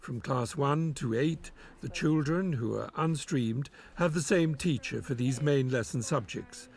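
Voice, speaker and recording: A man narrating a documentary in a measured, explanatory way and interviewing a teacher. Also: medium pitch, darkish tone.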